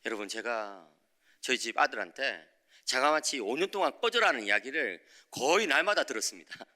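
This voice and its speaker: A middle-aged man preaching a dawn sermon in a church, telling a personal story with lively acted-out voices and frequent checks with the congregation. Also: mid-range voice, fairly quick. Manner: animated, acts out quoted voices, frequent "예?" to the congregation. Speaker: preacher, visiting professor. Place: church sanctuary.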